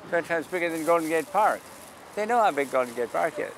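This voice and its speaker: A man's voice: on the high side, lively intonation, fast talker, a little hiss or hum, poor audio. An older man talks in a slightly raised voice as he explains things to passersby, with dry humor. He is outdoors in a park beside a parking lot, and faint street sounds sit under his voice. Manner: calls out invitations loudly to passersby, dry humor. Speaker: sidewalk astronomer. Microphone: camera mic at a few feet.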